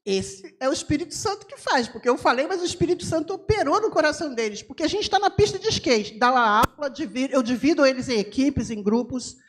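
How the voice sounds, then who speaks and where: A woman missionary speaking in a church service, telling her story with lively voice imitations. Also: sits high, fairly quick, hardly any pauses. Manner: animated storyteller, mimics voices of locals. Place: church sanctuary.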